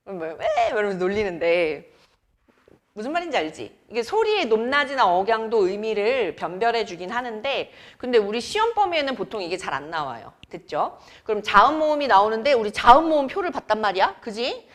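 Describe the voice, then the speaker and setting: A young woman teacher from Seoul talking to her class, with a slightly high and very animated voice that swoops up and down. She chats, teases and quizzes the students as she works through the lesson in a classroom. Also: fairly quick. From Seoul, South Korea. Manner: chatty, teasing, quizzes students. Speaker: academy Korean teacher. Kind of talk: classroom lecture.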